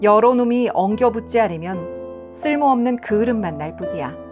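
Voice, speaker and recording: Music behind a woman's fairly slow speech. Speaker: radio announcer. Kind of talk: poetry reading.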